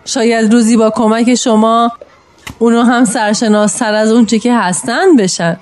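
A man's voice: very high-pitched, steady tone, a little hiss or hum, voice pushed up. A man voicing a female schoolteacher who leads her class with a firm, solemn manner. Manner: solemn speechmaking.

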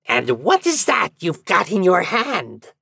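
A man's voice: high voice, huge pitch swings, slow pace, vocal fry, slightly rough, dry recording, studio quality, pitched above the performer's own voice, exaggerated voice. A man voicing a suspicious devil sentry who barks challenges in a folk tale. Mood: barking challenge. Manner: shouting, suspicious. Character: alarmed devil sentry barking challenges at hell's gate.

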